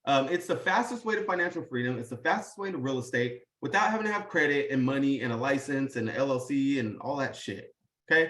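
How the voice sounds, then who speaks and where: A man's voice: medium pitch, quick pace, a bit bright, echoey room. A man hosting a live video call, talking in a casual, pumped-up motivational way, heavy on slang, swearing and fillers. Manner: hyped, profane, full of slang and fillers. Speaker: host.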